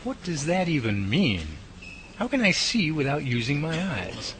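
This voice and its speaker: A man's voice: a little high, very animated, moderate pace, noisy background. An actor playing a wry, easily exasperated male professor given to grumbling asides in an audio drama. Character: exasperated, muttering male professor leading Bigfoot researchers.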